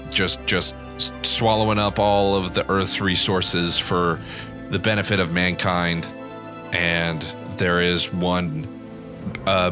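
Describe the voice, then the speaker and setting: A man with a congested, nasal voice giving loose, rambling let's-play commentary and swearing freely. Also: low-pitched. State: congested from allergies, tired throat. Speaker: gaming channel host. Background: game music.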